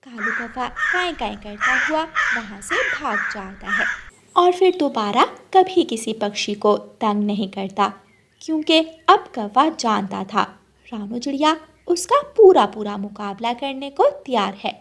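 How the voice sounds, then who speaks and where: A woman's voice: a little high, big pitch swings, a little slow, background noise. A woman narrating a children's cartoon story and ending with a moral and a request to subscribe.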